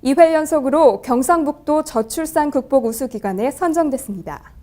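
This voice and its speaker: A woman's voice: high voice, expressive, moderate pace, warm tone. A woman news anchor introducing stories in a polished, formal way.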